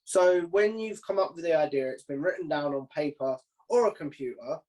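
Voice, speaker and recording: A man hosting a relaxed podcast interview, asking questions in an informal, inquisitive way. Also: a little high, fairly quick, poor audio. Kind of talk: casual conversational interviewing.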